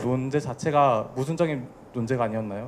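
Light background noise is audible. Over it, a man talks at a moderate speed. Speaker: university student; audience member. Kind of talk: audience question. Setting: auditorium audience mic. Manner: halting, apologetic. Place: hall. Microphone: handheld.

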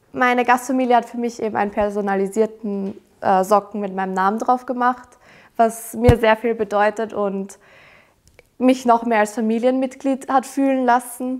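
The woman's pitch is fairly high and her intonation fairly even. She keeps a moderate pace over a quiet background. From Austria, Graz; Austria. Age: young (19). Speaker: former au pair. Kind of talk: testimonial. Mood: warm, cheerful. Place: office. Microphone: lapel.

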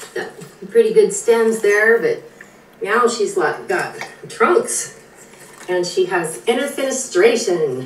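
A woman talks very slowly while noticeable background noise carries on. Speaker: plant hobbyist. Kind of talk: video walkthrough.

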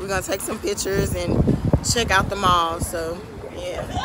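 A woman's voice amid noticeable background noise. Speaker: vlogger. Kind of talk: casual vlog.

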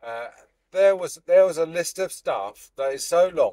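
A man talks fairly slowly in a dry sound with no echo, against a quiet background. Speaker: driver vlogger. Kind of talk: casual vlog chat. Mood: indignant, incredulous. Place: car. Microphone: camera far.

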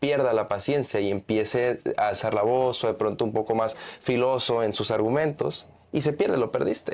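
Moderately paced speech from a man, intonation fairly even. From Mexico. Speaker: podcast host. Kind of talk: interview.

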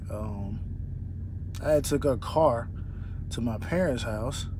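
A man at a very slow pace, dry with no echo, against noticeable background noise. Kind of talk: casual vlog chat. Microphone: phone near.

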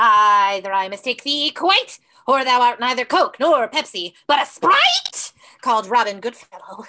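A female-sounding voice puts on a character voice, high-pitched and delivered at a moderate pace. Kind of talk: theatrical verse performance. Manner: hyper, intense.

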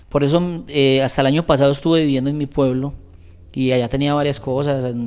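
This man has an unremarkable speaking voice at a fairly high pitch. His intonation is fairly even. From Antioquia, Colombia. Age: 30s. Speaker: content creator and radio announcer. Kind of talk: casual interview.

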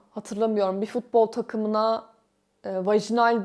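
This woman talks at a fairly slow pace with a fairly high pitch and ordinary pitch variation. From Turkey. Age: 20s. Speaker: vlogger. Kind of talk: personal vlog monologue.

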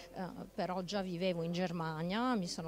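A French accent over light background noise. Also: woman. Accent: French-speaker's accent in Italian. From Belgium, Flemish region, Sicilian parents. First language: French (speaking Italian). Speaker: writer and film director; interviewee. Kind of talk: interview. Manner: hesitant, many fillers. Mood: serious, personal, painful story. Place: hall. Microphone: handheld.

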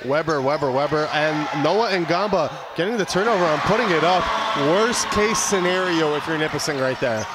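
Despite loud background noise, a man with a fairly high pitch and an animated tone speaks at a moderate pace with ordinary pitch variation and very even loudness, the sound dry with no echo. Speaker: color commentator. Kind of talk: live sports commentary. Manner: animated, conversational analysis. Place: stadium.

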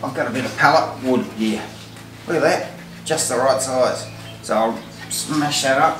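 A man talks at a moderate pace while music plays clearly in the background. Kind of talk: tutorial. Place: garden.

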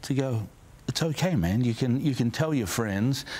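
The speaker keeps a moderate pace with lively intonation. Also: man. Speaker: guest. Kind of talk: interview answer. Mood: earnest, emotional. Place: studio.

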